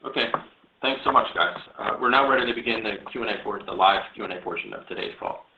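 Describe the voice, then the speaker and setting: A man moderates an earnings call, reading out questions at a brisk pace in a low voice with plenty of creak. The line is phone-thin and echoes like a room. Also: muffled recording, slight background noise. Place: conference call.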